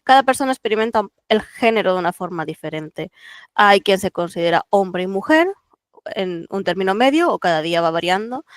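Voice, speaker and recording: A podcast guest whose first language is Catalan explains things in a thoughtful, unhurried way, leaning on small fillers as the thoughts come. The voice is smooth and clear, mid-pitched, recorded close and dry with no room sound. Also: female voice, lively intonation, dry recording. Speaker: guest translator. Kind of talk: relaxed podcast interview.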